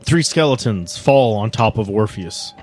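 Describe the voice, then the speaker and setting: A man's voice: on the low side, expressive, unhurried. A man acting as game master of a tabletop game, improvising scene narration and ruling on moves. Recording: music playing behind the voice.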